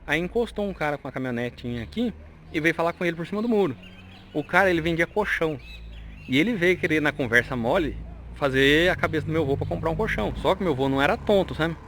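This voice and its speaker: A man's voice: on the high side, expressive, fast talker, a bit bright, a little hiss or hum. A young man with a Brazilian Portuguese accent, telling family memories in a chatty way and often ending with a question tag while he walks through an old family house. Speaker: vlogger touring his grandparents' house. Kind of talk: casual nostalgic storytelling.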